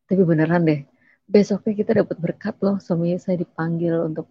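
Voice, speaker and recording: A woman's voice: on the low side, a little fast, breathy edge, no echo. Woman telling her testimony, muffled audio. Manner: conversational, repeats phrases, animated when quoting others. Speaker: church singer giving testimony. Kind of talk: personal testimony interview.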